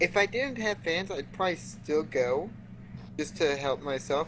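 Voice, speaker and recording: The speaker has an American accent and lively intonation. The pace is moderate. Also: man. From United States. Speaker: gamer and vlogger. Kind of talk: casual chat. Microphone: echoing.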